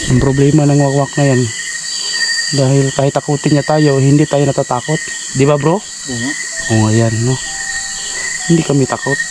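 A man speaks at a moderate pace, with long, frequent pauses. The sound is dry with no echo, and there is noticeable background noise. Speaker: vlogger on a night trek. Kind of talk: casual vlog chat. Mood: playfully brave, slightly spooky. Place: forest. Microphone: phone near.

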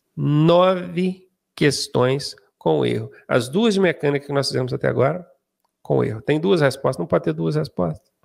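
Moderate pace from a male speaker, the background quiet. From Brazil. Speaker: driving instructor. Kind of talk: tutorial. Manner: casual and conversational. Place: home room. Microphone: studio mic.

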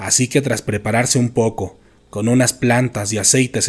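A man's medium-pitched voice carries a dramatic tone while staying monotone and flat in intonation. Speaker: horror story narrator. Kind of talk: ghost story telling, reading listener-sent tales aloud in a hushed, suspenseful tone; scripted narration. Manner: slow, dramatic, eerie pacing that builds suspense.

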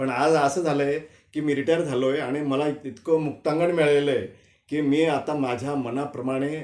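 This is a man with a normal speaking voice. His pitch sits fairly high. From Maharashtra, Jalgaon district (Amalner taluka village). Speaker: retired teacher and amateur singer. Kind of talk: interview.

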